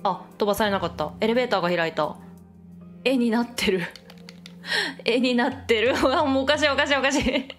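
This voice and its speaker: With faint music playing behind her, a young female streamer talks her way through a Let's Play in a brisk, higher-pitched voice. She keeps up a chatty self-talk, breaking into frequent laughter and surprised reactions.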